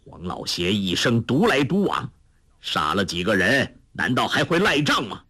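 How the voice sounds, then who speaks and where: A man's voice: lowish voice, sing-song, measured pace, pushed and bright, slightly rough, full character voice. A man voicing a proud, eccentric older male martial master in a storybook, haughty and given to mocking laughter. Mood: scornful.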